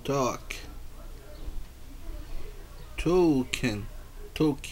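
A man with a Brazilian accent, a native Portuguese speaker, haltingly reading aloud as an English learner and repeating words and phrases. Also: mid-range voice, animated, darkish tone, slight background noise. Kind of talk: halting read-aloud pronunciation practice.

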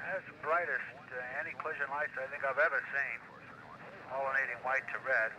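Pilot over very noisy radio. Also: male voice, mid-range voice, fairly even intonation, a little fast. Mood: measured, puzzled. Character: composed male airline pilot reporting strange traffic. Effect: aircraft radio. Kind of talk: naturalistic film acting, terse cockpit radio reports. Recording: very noisy crackling aircraft radio transmission.

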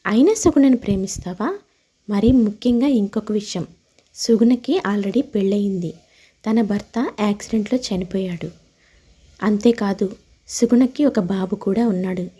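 A woman voicing a protective, persuasive young woman who speaks frankly and insistently for her friend in an animated moral story. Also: medium pitch, moderate pace, breathy edge, pitched below the performer's own voice, close to an everyday voice. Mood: frank, testing.

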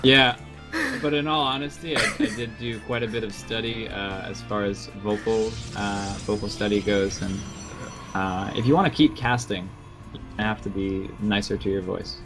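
A man co-commentating a strategy game in a relaxed, casual style, often pausing and hedging as he talks. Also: fairly low pitch, over music. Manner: relaxed, hesitant, many fillers. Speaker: esports commentator.

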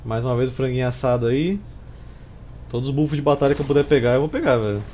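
A Brazilian man streams a strategy game with casual, slangy commentary. His voice is mellow and sits at an ordinary middle pitch. There is clear background noise around it. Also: fast. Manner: informal, slangy. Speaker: gameplay streamer. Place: small room indoors. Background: game sounds and ambience.

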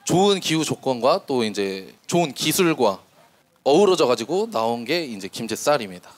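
A man's voice: mid-range voice, sing-song, normal speed. A young man from North Jeolla, a farmer and contestant speaking earnestly into a handheld mic on an open-air stage. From North Jeolla, South Korea. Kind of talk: stage introduction. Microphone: handheld microphone.

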